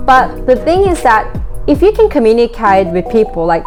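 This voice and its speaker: A young woman with a Korean accent, a Korean native speaker, giving relaxed conversational tips in a vlog, often using "like" as a filler. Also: on the high side, normal speed. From South Korea. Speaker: vlogger. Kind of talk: casual talking-to-camera tips. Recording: background music.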